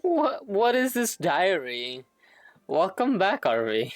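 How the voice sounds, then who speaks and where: A woman's voice: fairly low pitch, sing-song, slow pace. A woman live-streaming a game with casual, blunt, offhand reactions into a close mic.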